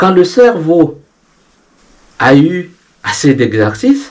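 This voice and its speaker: The speaker moves at a very slow pace, with very wide swings in pitch. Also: man. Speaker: entrepreneur and advice video host. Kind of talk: motivational advice talk.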